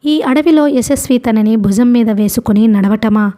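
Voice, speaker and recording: A woman's voice: fairly high pitch, normal speed, dark tone. A young adult woman, host of the channel, narrating a novel as an audiobook storyteller and voicing the characters in her own voice.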